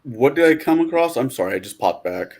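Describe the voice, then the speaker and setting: Animated man swearing in podcast chat. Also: mid-range voice, quick pace, slightly rough. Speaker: podcast co-host.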